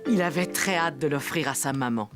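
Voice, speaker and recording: A woman narrating a children's cartoon as a gentle storyteller, reading scripted lines with expression. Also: low-pitched, brisk, over music, close to an everyday voice. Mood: storytelling.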